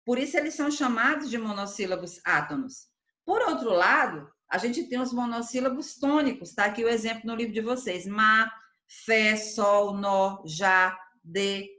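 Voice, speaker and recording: A woman teacher walks her class through a grammar lesson, posing questions and answering them herself. Her voice is fairly high and bright. The recording carries the echo of a reverberant room. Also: lively intonation, fairly quick. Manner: explanatory, asks and answers her own questions, frequent "tá?". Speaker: Portuguese teacher.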